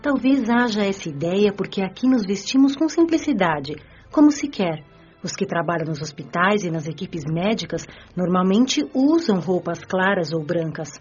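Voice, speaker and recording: Uma atriz como uma mestra espiritual gentil e soprosa. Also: female voice, lowish voice, lively intonation, normal speed, husky, lo-fi sound, soft background music. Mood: gentle. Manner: gentle, explanatory. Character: elegant, kind older female spirit teacher.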